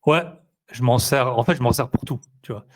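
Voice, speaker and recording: A man speaks in an easygoing, conversational way, pausing often on fillers as he thinks out loud. His delivery is loose and unhurried, like talking with a friend. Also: medium pitch. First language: French. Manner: rambling, filler-heavy, relaxed. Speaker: interviewee, investor. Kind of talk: casual conversational chat.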